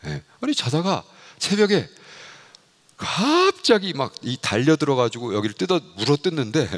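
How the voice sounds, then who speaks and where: Telling stories with animation, this middle-aged man, a pastor and missionary, preaches a sermon, voicing dialogue and occasionally shouting. His pitch is on the high side and his pace moderate.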